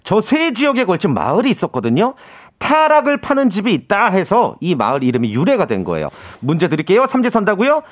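High, very animated male radio co-host. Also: a little fast. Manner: explains things, reads quiz questions. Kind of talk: radio quiz presenting.

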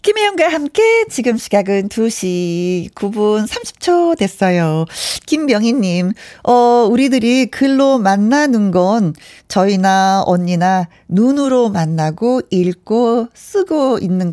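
Mellow, lively woman radio host. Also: mid-range voice, dry recording. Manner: chatty, conversational, often breaks into giggles. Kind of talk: warm-up monologue and reading listener messages on live radio. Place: radio studio. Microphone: close studio microphone.

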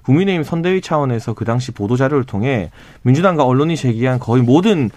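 A man's voice: mid-range voice, lively intonation, darkish tone, no room sound. A man from a party's campaign side in a political talk show debate, arguing pointedly and critically. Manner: pointed, critical, rapid argument.

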